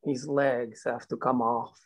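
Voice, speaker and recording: A coal company enforcer leans on a woman with smooth, condescending menace, as a man reads the part at a table read. His voice sits at an ordinary middle pitch. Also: flat delivery, a little slow, close to an everyday voice. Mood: cold.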